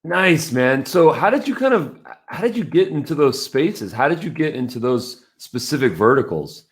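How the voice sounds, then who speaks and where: A man's voice: medium pitch, big pitch swings, normal speed. A man hosting a podcast in a casual, enthusiastic and complimentary way, chatting as he interviews. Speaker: podcast host.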